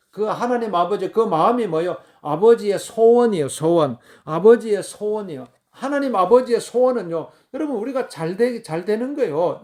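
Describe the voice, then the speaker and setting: A man's voice: high-pitched, a little mellow. A male pastor preaching a sermon in an emphatic, rambling way, full of fillers, and bursting into wailing prayers as he quotes them.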